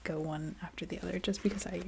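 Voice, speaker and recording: A woman chatting casually in a soft ASMR voice that often drops into a whisper. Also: on the low side, fairly even intonation, quick pace, creaky, slight background noise. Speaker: ASMR video creator. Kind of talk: soft-spoken ASMR, casual rambling chat.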